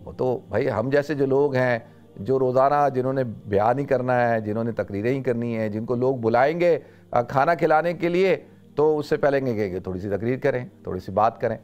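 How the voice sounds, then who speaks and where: A middle-aged man from South Asia giving an informal religious lecture in a loud, emphatic preacher's voice, repeating phrases for emphasis. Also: mid-range voice, highs cut off, soft background music. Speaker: religious scholar giving a talk.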